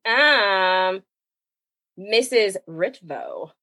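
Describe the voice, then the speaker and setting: A woman co-hosting a podcast in casual chat, animated and quick to laugh. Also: medium pitch, no room sound. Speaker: podcast co-host.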